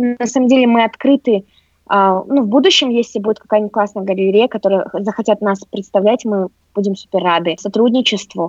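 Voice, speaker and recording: A plain, everyday voice at a fairly quick pace, with a dry, close sound and no echo. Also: woman, fairly high pitch for a woman, ordinary pitch variation. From Kazakhstan, Almaty. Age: 20s. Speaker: artist and photographer. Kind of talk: interview.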